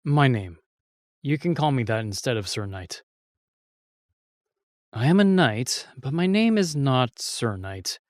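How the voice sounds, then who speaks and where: An actor playing a reluctant royal knight, curt and sighing but guardedly kind, in an intimate fantasy audio drama. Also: male voice, mid-range voice, big pitch swings, slow, long pauses, no room sound, clean studio sound. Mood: irritated, guarded.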